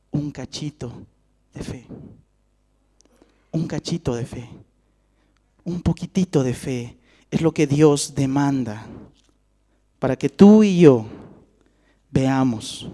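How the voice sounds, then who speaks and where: A man preaching a sermon, telling the story with animation and asking his listeners questions. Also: on the high side. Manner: animated storytelling, acts out voices, asks the audience questions. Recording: long hall reverb.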